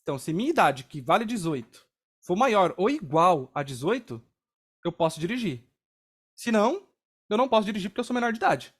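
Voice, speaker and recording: A young man with a Brazilian Portuguese accent teaches a live online coding class, his voice high for a man, very animated and edged with breathiness. He talks casually, explains every step, and often stops to check whether students are keeping up.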